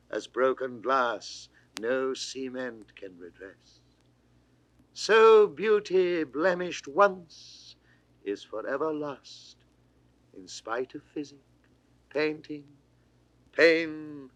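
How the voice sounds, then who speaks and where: A man's voice: on the high side, fairly bright tone, no room sound. An older man reading classical verse in a declamatory style, lingering on words and swooping up and down. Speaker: poetry reader. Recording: dry 1960s studio recording.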